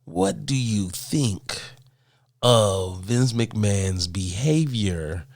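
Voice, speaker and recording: A man's voice: fairly low pitch, lively intonation, very slow, darkish tone, no room sound. Stuffed-up man ranting, dry close sound. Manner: conversational, emphatic, repeats points for effect. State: congested from a cold. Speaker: commentary vlogger answering viewer questions. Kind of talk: casual opinion rant.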